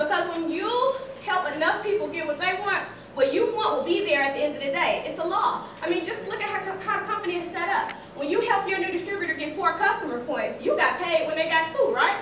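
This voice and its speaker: A woman with an extremely high pitch and an animated tone at a fairly quick pace, with audible room echo and light background noise. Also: lively intonation. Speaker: network marketing team leader; business trainer. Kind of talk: motivational business training talk. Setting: stage with audience. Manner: fast talker. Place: meeting room.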